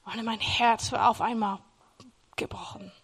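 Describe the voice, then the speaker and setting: High-voiced woman giving a faith testimony. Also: moderate pace. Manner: earnest, storytelling, acts out her own past words; grows loud and emphatic in emotional passages.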